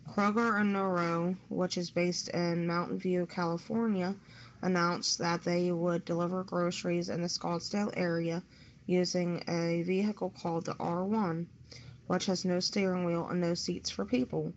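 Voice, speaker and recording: A woman with a fairly low voice talks through news items as a radio co-host. The recording is lo-fi and dull, with a little background noise. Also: flat delivery, normal speed. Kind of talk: reading news, then casual discussion. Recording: muffled lo-fi audio with background noise.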